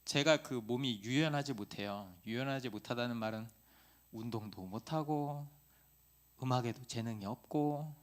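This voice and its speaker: A middle-aged male pastor giving a sermon in a conversational, animated way, asking his listeners many questions. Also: medium pitch.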